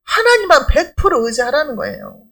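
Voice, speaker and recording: A woman's voice: sits high, wildly swooping pitch, brisk, bright, forceful tone. A middle-aged woman pastor preaching a sermon in an emphatic, conversational way, asking rhetorical questions.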